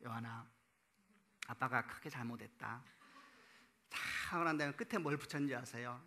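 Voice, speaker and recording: A man's voice: medium pitch, pushed and bright. A middle-aged man preaching a sermon in a church, telling a story from home and asking the congregation questions, chuckling now and then. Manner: laughs at his own stories. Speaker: pastor. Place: church sanctuary.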